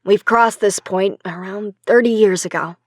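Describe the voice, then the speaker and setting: Woman acting as a scientist guest on sci-fi radio news, mid pitch, calm articulate explainer, very dry studio sound. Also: moderate pace, no echo, natural voice. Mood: patient, explanatory. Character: composed female professor, expert guest on sci-fi radio news. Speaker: academic expert being interviewed. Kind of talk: scripted radio interview in an audio drama.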